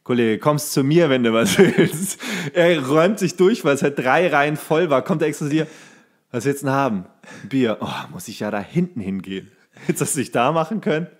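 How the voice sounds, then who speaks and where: A man's voice: a little high, lively intonation, brisk. A man co-hosting a podcast, chatting casually in colloquial slang and acting out quotes as he tells stories. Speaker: podcast co-host, former bartender. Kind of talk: casual anecdote chat between friends.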